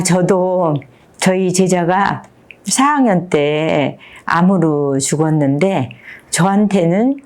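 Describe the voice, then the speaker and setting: A woman in her fifties, a teacher, talks through a picture book and keeps asking her listeners questions. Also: on the low side. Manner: animated storytelling, asks the audience questions. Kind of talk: picture-book talk to an audience.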